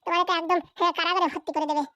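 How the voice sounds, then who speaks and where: Very high, bossy scheming madam. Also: flat delivery, very fast, bright, forceful tone, no room sound, lo-fi sound. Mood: cold scheming. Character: scheming, ruthless, ambitious wife and mother, a bossy madam. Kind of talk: Bangla comedy cartoon dialogue.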